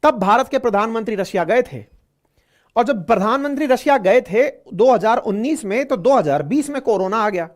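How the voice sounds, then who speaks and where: A man's voice: high voice, animated, normal speed. A man teaching current affairs in a conversational lecture, repeating his points and speaking straight to the listeners. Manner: chatty, repeats points, addresses listeners directly.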